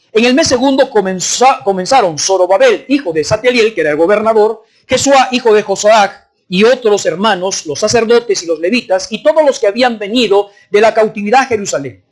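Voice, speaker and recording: A male pastor preaching and reading scripture aloud, stopping often to ask the congregation what the text says, his delivery swinging between raised and hushed. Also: high-pitched, lively intonation, brisk. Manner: prompts the congregation with repeated questions.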